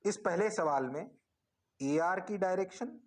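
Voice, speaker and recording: A man teaching physics in an online class, energetic and coaxing, repeating prompts to his students. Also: high-pitched, a little slow, roomy sound.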